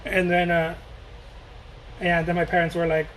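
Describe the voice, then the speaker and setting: A man's voice: high-pitched, completely flat delivery, normal speed, a bit bright, a little hiss or hum, low-quality recording. A man from Mexico chatting casually while he paints live, rambling and joking and answering viewer questions as he goes.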